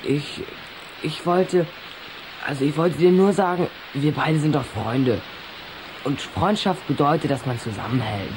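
A man playing an earnest, loyal, quick-witted boy in a children's radio play, sometimes hesitant. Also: a little high, noisy background, lightly acted. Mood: consoling. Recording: clear background rain ambience.

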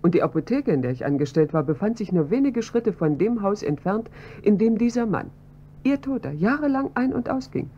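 A composed female pharmacist in a radio drama, played by an actress, measured and precise, a little guarded. Her tone is dark and mellow. The recording is dull, with a faint hum behind it. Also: medium pitch, expressive, lightly acted. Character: composed female head pharmacist, adult woman. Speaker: witness. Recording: dull, slightly noisy audio with hum.

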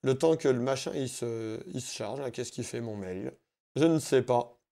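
A man's voice: medium pitch, moderate pace, dark tone. A man giving a live-streamed guitar lesson, thanking viewers by name in a friendly way and explaining licks as he plays. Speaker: guitar teacher. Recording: faint guitar music behind. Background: electric guitar playing.

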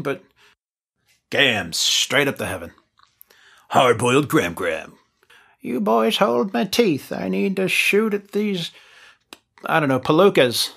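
A man's voice: mid-range voice, a bit bright. Casting: male player, playful joker, stacks up period slang. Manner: playful, riffs in old-timey slang. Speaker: tabletop game player. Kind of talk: riffing banter at a recording session.

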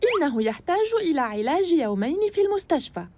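A woman voicing a caring, helpful young girl in a children's cartoon, gentle and considerate, in formal Arabic. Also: sits high, big pitch swings, fast, no echo.

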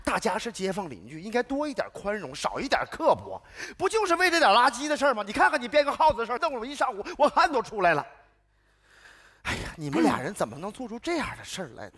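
A man playing an excitable neighbour in a sitcom sketch who rants in circles. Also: very high voice, fast, full character voice. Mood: placating. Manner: repetitive ranting, then mock-calm lecturing.

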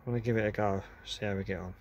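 A man's voice: on the low side, steady tone, very fast, highs cut off, background noise. A man casually talking through a van conversion job while he works in his garage workshop, sometimes drifting away from the camera mic. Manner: chatty, offhand, talks while working. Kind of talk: casual DIY commentary. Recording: background music, voice sometimes off-mic.

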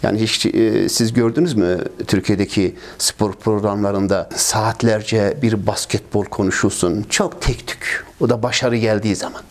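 A man's voice: fairly low pitch, steady tone, moderate pace, few pauses. A man in his fifties, a ski club president, answering interview questions earnestly, complaining at length, with many fillers and repeated phrases, recorded on a lapel mic in a trophy-filled office. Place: office with trophies and flags, indoors.

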